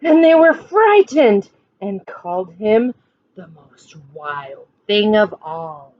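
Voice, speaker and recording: A woman teacher reading a picture book aloud to children, expressive and dramatic, with drawn-out phrases. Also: medium pitch, lo-fi sound. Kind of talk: expressive picture-book read-aloud with questions to young listeners.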